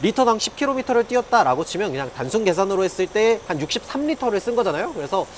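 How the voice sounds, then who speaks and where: A man giving casual test-drive commentary from inside a car, explaining things in a chatty way and breaking into excited exclamations. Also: high-pitched, fast talker, a little hiss or hum. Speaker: car reviewer. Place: inside a car on a road trip.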